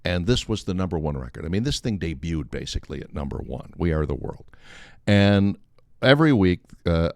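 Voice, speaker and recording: A man's voice: deep voice, a little fast, creaky, dry recording, studio quality. An older man telling a humorous anecdote in a casual, wry way, acting out the dialogue as he goes. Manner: animated, acts out quoted dialogue. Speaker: storyteller on a talk show.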